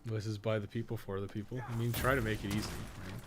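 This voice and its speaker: A man's voice: fairly low pitch, flat delivery, quick pace. Casual male game streamer, noisy recording. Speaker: video game streamer and guide maker. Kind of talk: casual live gameplay commentary.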